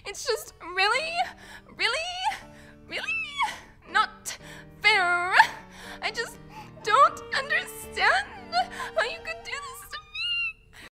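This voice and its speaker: A woman voicing a whiny, self-pitying teenage girl with a tearful, drawn-out delivery. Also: very high voice, big pitch swings, music in the background, voice pushed up, exaggerated voice. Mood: whining, tearful.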